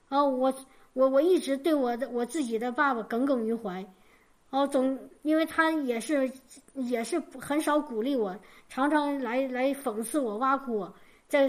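Woman preacher, high register; fervent sermon delivery with hammered repetitions and stumbling restarts. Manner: fervent, repeats key phrases for emphasis; frequent stammered restarts. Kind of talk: sermon with personal testimony.

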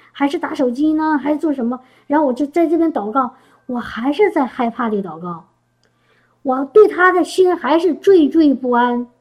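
High-voiced woman preaching a chatty sermon. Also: poor audio. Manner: conversational, with restarts and rhetorical questions.

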